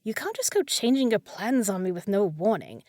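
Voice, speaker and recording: A woman's voice: mid-range voice, very animated, normal speed, warm tone, no echo, clean studio sound, natural voice. A woman playing a short, fussy young village housekeeper in a fantasy audio roleplay, proper and easily flustered, scolding yet caring. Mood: exasperated. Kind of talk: scripted fantasy audio roleplay, spoken to listener.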